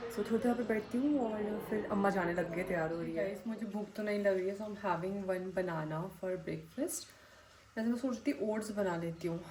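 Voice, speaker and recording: A woman speaks at a medium pitch with ordinary pitch variation. Audible room echo surrounds her voice. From Uttarakhand, India. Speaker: vlogger. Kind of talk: casual vlog.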